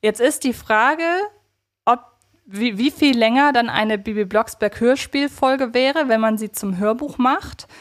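Female podcast co-host, slightly high voice, casual and chatty, thinks aloud. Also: a little slow. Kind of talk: casual fan podcast chat.

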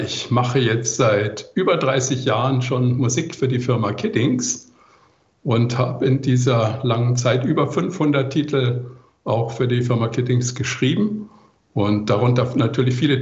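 A man's voice: medium pitch, darkish tone, roomy sound, highs cut off. A middle-aged or older man, telling his own story as an interview guest. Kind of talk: conversational autobiographical interview answers.

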